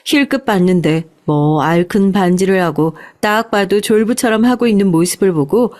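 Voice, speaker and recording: A woman's voice: medium pitch, expressive, moderate pace, darkish tone. A woman reading a scripted first-person story in a conversational, confiding way, as a storyteller addressing listeners politely.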